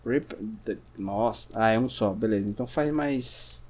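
A man from Brazil giving casual gameplay commentary, chatting to himself and his viewers, sometimes breaking into sudden shouts. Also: fairly low pitch, a little slow. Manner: chatty, talks to himself and the audience, bursts into shouts at scares. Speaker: gameplay streamer.

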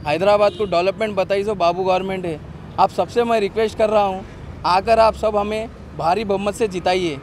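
A man's voice: high voice, steady tone, a little fast. A young man with a Hyderabadi accent, an election candidate making an appeal to press microphones outdoors. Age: young adult. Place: busy street, outdoors. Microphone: handheld press microphones held close. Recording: faint outdoor street noise.

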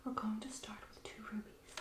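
A woman playing a mysterious, softly menacing witch shopkeeper in a hushed, deliberate ASMR role play. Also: reverberant, close to an everyday voice. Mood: calm, discreet. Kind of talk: soft-spoken whispered ASMR role play. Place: small indoor room, candlelit set.

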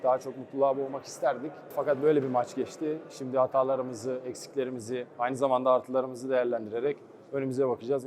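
Young man, goalkeeper, post-match interview, quick speech, mellow dark tone. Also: medium pitch.

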